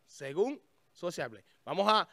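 High-voiced man hosting a show. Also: sing-song, a little slow, gravelly, sharp tone, dry recording. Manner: talks while searching a website, thinking aloud with restarts. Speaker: show host. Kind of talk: casual on-air chat. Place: small studio with a festive desk. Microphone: studio mic on a stand.

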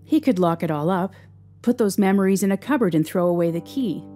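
A woman narrating a scripted audio drama in a measured, expressive, somber manner. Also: fairly low pitch. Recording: music under the voice. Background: instrumental music.

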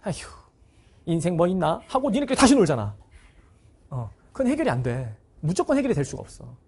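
A man's voice: high voice, huge pitch swings, quick pace, a little mellow, breathy edge. A male cram school teacher giving a blunt, casual motivational talk to his students. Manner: acts out students' voices in short bursts.

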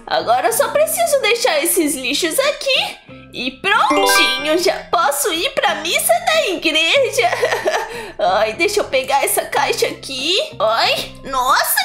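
A woman's voice: extremely high pitch, full character voice. A woman voicing an old woman garbage collector who sighs and groans about her aching back in a game roleplay story.

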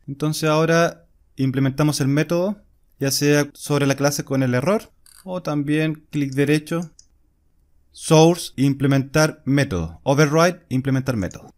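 A man, explaining a coding screencast step by step while he types. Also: mid-range voice. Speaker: programming instructor. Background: keyboard typing and clicks.

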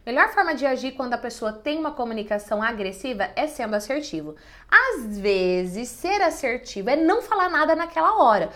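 Bright-voiced woman giving advice. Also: a little high, a little fast. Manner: lively, expressive, direct. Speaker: host giving relationship advice. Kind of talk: casual advice talk answering viewer questions.

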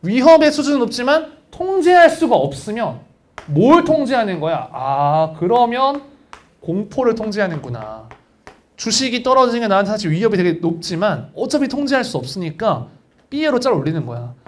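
A man's voice: sits high, very animated, moderate pace. A young man teaching an exam prep lecture in a chatty storytelling way, acting out the voices of people in his anecdotes.

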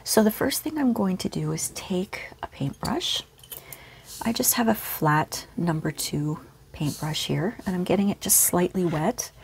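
A woman teaching a relaxed real-time painting lesson at home, speaking softly and often half-whispering. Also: on the low side, measured pace, gravelly, slight background noise. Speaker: art teacher. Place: home studio with pets nearby.

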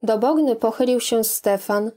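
A woman reads a novel aloud as audiobook narrator. Her voice sits fairly high and she reads slowly, calm and measured. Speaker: audiobook reader. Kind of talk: scripted narration.

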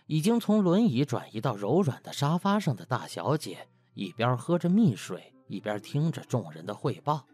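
Guy reading a comic novel, super animated, bit raspy, soft music behind. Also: medium pitch, normal speed, hardly any pauses. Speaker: audiobook narrator. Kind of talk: lively scripted novel narration.

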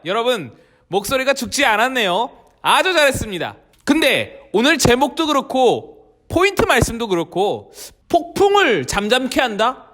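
A man leading a children's worship service, telling a story in an animated, exclamatory way and asking the children questions. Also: extremely high pitch.

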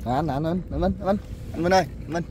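A man hosting a fishing vlog, calling out excitedly to his friends and the viewers from a small river boat. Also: on the high side, quick pace. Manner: excitable, calls out and whoops. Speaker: vlog host. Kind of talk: excited casual commentary on a fishing trip. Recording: outdoor boat noise.

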